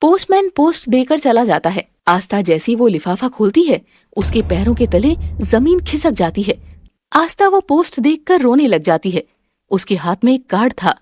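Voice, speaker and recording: A woman narrating a family drama in a lowered, even storytelling voice. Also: normal speed.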